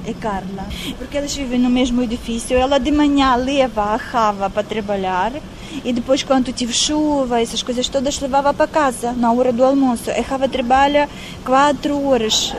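A woman explains things casually on location in quick, short phrases. Her voice is quite high, and clear background noise runs under her speech.

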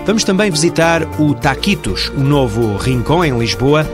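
A male radio host reading a scripted narration in a measured announcer style. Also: on the high side, big pitch swings. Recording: radio show with music bed. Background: music.

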